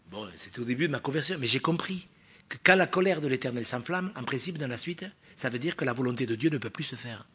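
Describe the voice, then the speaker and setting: A man preaching a sermon in a church, emphatic, swinging from loud stresses to quiet asides and asking the congregation rhetorical questions. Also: mid-range voice, slightly rough.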